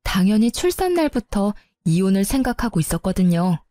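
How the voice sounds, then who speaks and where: A woman's voice: medium pitch, sing-song, fairly quick, mellow, no echo, studio quality. A young woman narrating a first-person story in a confiding, indignant way.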